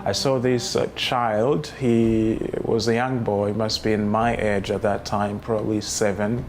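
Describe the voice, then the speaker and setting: A man in his thirties from Rwanda, recounting his life story in a reflective, unhurried way with many fillers. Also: lowish voice, flat delivery, slight background noise. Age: 30s. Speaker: memoir writer telling his life story. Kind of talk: personal testimony. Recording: music playing underneath.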